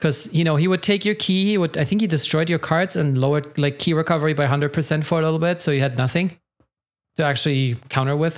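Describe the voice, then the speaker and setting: Very fast and very even in loudness, a man's fairly high voice shows ordinary pitch variation on a very clean recording with a silent background. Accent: non-native. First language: not English. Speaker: gaming podcast host. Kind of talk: casual chat. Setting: livestream on Twitch.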